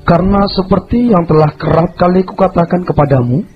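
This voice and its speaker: A man with a somewhat high voice reading scripture aloud, loud and measured. He sounds distant and muffled. Faint music sits behind him. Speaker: scripture reader.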